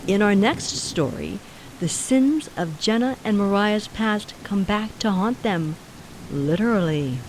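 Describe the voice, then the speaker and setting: A woman playing a spooky old grandmother who introduces horror stories with theatrical, deliberate delivery. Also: mid-range voice, animated, lightly acted. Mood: ominous glee. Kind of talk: scripted horror story introduction. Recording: noisy, rainy hiss.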